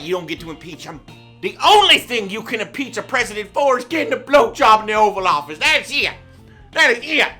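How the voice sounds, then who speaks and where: A brash redneck pundit , played by a man, who shouts, swears and rambles through his rant. His voice is sharp and forceful, with faint music underneath. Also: sits high, full character voice. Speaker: guest ranter.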